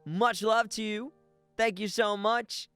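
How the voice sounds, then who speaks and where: A man's voice: high voice, steady tone, slow, bright, forceful tone, smooth. A man streaming a game with casual, slangy and playful commentary. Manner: playful, sings nonsense syllables, slangy. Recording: game music behind.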